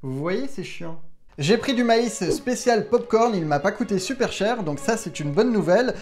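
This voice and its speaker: A man's voice: high voice, animated, moderate pace, a little mellow. A man hosting a casual unboxing vlog, talking to viewers in a playful, self-mocking way from a room at home. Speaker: YouTube host testing gadgets.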